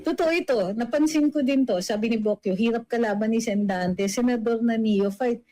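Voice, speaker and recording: Warm-voiced woman, chatty political commentary. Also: fairly high pitch, moderate pace, no room sound, rough recording. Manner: chatty, many fillers, mixes in English. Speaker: political vlogger. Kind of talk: casual commentary reading viewer comments.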